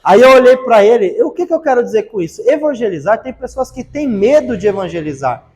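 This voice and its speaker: A man's voice: very high-pitched, brisk. A man teaching a theology class, telling personal stories in a casual, colloquial way and acting out the dialogue. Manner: lively storytelling, acts out dialogue with rises in loudness; casual colloquial speech with frequent fillers. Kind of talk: lesson with personal testimony stories.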